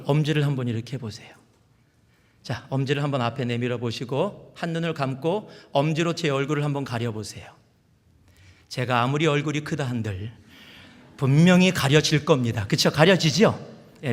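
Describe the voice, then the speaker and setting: Middle-aged pastor guy from chungcheong preaching, goes from shouting to whispering, echoey church hall. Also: mid-range voice, fairly quick. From Chungcheong, South Korea. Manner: swings from loud exhortation to hushed whispers. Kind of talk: sermon. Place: large church sanctuary. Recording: long church hall reverb.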